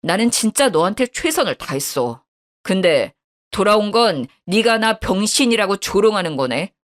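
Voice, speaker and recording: A woman voicing a betrayed young husband who scolds his wife harshly in a lowered voice. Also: big pitch swings, normal speed, natural voice. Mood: angry. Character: angry betrayed young husband, cold and blunt.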